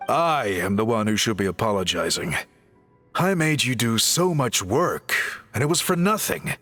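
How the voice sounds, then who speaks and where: A man playing an earnest, courteous tribal craftsman and reformer in a video game, speaking in polite, measured, articulate phrases. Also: medium pitch, big pitch swings, a bit bright. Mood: regretful, apologetic. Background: background music.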